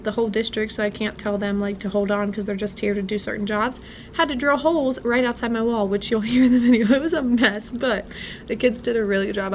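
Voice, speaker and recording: A woman's voice: on the high side, slight background noise. A young woman, a music teacher, chatting casually and rambling with laughs as she vlogs from her car. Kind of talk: casual vlog chat.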